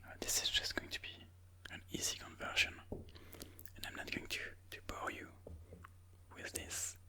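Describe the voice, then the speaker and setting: A person whispering ASMR game commentary in a breathy, mostly unvoiced voice, slowly and soothingly thinking aloud. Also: sharp tone. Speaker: ASMR chess video host.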